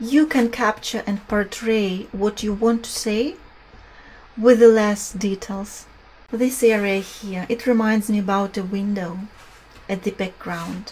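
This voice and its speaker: The speaker has a Russian accent and talks at a very slow pace with fairly even intonation amid noticeable background noise. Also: woman, fairly high pitch for a woman. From Belarus. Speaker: watercolor painter and art teacher. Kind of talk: live painting tutorial. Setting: studio. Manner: kind, relaxed teaching.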